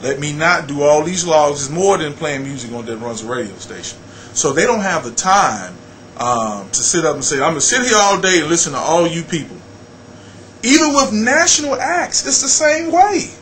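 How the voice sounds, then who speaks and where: High-pitched, blunt American man. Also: moderate pace, slight background noise, low-quality recording. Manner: animated, blunt, repeats phrases for emphasis. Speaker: radio personality and program director, interview guest. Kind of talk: casual interview talk.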